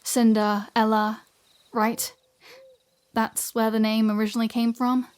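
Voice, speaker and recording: A woman's voice: on the high side, little pitch movement, a little slow, clear, resonant tone, lightly acted. A woman playing a flirty, self-serving vampire in a scripted audio roleplay, speaking to the listener in a teasing, wry, conversational way. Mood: sardonic, chatty.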